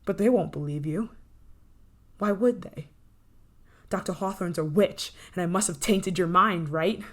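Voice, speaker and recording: A woman playing an obsessive, menacing scientist in an intense, possessive ASMR roleplay. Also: on the low side. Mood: menacing, taunting. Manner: intense, pleading, possessive, dramatic pauses. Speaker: voice actor in audio roleplay.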